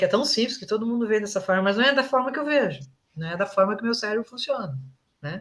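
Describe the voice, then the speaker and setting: Intonation is lively in this woman's speech. She talks at a very fast pace. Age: 60s. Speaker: client giving testimonial. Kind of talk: testimony.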